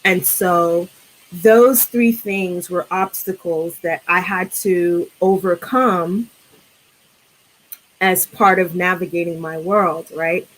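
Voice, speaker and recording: A woman with a New York accent, a guest on a film discussion, speaking reflectively with many pauses and restarts. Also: on the low side, poor audio.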